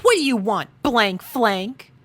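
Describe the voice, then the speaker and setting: Man putting on a high, haughty schoolgirl pony, swooping pitch. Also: very animated, slow, sharp tone, exaggerated voice. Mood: snappish, scornful. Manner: snooty, snappish. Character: haughty young schoolgirl pony filly, bossy and indignant. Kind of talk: fan fiction storybook reading.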